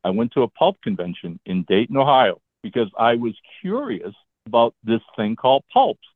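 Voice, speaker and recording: A chatty man in his seventies tells long stories about his career, pausing now and then to ask "okay?" or "all right?" His voice sits at an ordinary pitch and comes through a thin, phone-like line with a dry, close sound. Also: big pitch swings, dry recording. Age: 70s. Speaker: guest, comic book writer. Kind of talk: casual interview storytelling.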